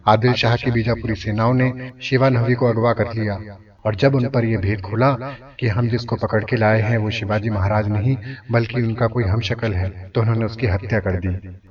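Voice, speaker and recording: A man narrating a scripted historical story in a formal, dramatic manner. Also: lowish voice. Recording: distant, dull lo-fi, crowd noise behind.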